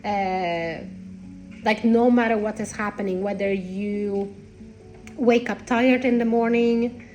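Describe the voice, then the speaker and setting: A woman with a congested, nasal voice giving unscripted spiritual talk to followers in a halting, rambling way. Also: mid-range voice, fairly even intonation, a little mellow, soft background music, low-quality recording. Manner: halting, rambling, repeats phrases. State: congested with a cold. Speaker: spiritual content creator.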